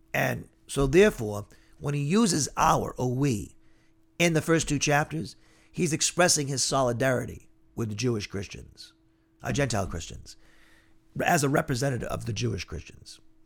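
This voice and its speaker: With an American accent, a man talks at a moderate pace in lively intonation, with vocal fry and long, frequent pauses. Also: medium pitch for a man, very clean recording, silent background. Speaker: Bible teacher. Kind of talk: Bible lesson lecture. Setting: church class.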